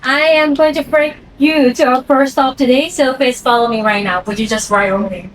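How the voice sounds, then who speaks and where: A woman from Hong Kong with a local accent leads a walking tour out on a city street. Her voice sits high, and faint street ambience hangs behind her. She explains things at a brisk clip and poses questions to her listeners. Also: steady tone, slight background noise, rough recording. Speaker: tour guide.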